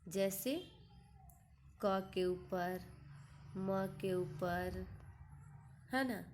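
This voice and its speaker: A woman teaching a kindergarten Hindi lesson, reading words slowly one by one and quizzing the class with repeated questions. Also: medium pitch, darkish tone, slight background noise.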